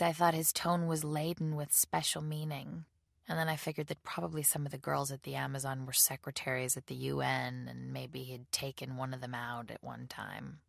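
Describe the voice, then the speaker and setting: Low, gravelly woman reading an audiobook. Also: a bit bright, no room sound, clean studio sound. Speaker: audiobook reader. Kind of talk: audiobook narration.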